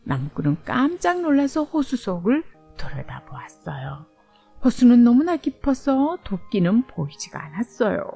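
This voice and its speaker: A woman's voice: fairly high pitch, gravelly, warm tone. A woman storyteller narrating a bedtime storybook, reading expressively and simply as if to a toddler.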